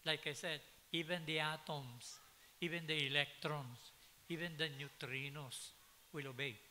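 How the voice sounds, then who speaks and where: With a sharp tone, fairly high pitch and fairly even intonation, a pastor preaches at a measured pace. His church sermon tells stories, switches into English phrases and climbs to emphatic peaks, with hiss and long hall reverb in the recording.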